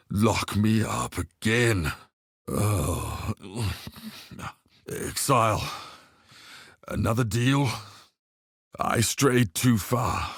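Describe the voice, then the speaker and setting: An actor playing a proud, fierce, honour-bound tribal warrior in a video game, with a solemn, declamatory delivery. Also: male voice, fairly low pitch, slightly rough, no room sound, studio quality, heavily acted. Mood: dying, anguished, then weary, solemn. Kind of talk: video game character voice lines.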